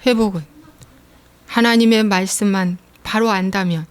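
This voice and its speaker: A woman's voice: medium pitch, a little slow. A woman pastor preaching a sermon, acting out prayers and complaints and asking the congregation rhetorical questions. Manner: animated, acts out quoted prayers and complaints; drops to hushed whispers at times.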